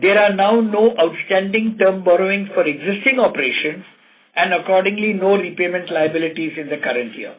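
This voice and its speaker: A man with an Indian accent formally reading out financial results as a company executive, in a measured way, over a telephone conference call. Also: high voice. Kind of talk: scripted financial results presentation. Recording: tinny narrow phone line.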